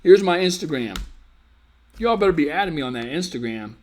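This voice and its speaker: A man's voice: a little high, lively intonation, brisk, a little mellow. A man hosting a dating-advice live stream, casually reading viewer comments and teasing them in a playful, slangy way.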